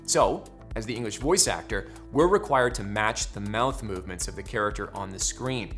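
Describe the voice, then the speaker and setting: Man, medium pitch, scripted tutorial delivery, emphatic, wry asides, explanatory, music behind. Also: fairly bright tone. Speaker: voice actor teaching anime dubbing.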